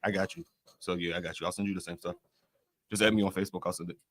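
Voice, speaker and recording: Deep-voiced man talking very fast. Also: fairly even intonation. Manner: quick, easygoing, modest. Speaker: singer guest. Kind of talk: casual interview chat.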